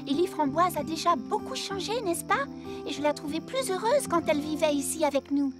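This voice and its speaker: A woman's voice: very high voice, lively intonation, fairly quick, music in the background. A woman voicing a sincere, caring young girl in a children's cartoon, speaking earnestly and expressively. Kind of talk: French children's cartoon dub acting.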